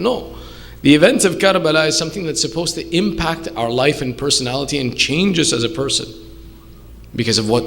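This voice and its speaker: Male preacher, higher-pitched and gravelly, delivering an earnest sermon with rhetorical questions and repeated phrases. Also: a bit bright, a little hiss or hum. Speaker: preacher, sheikh. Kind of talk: English majlis sermon.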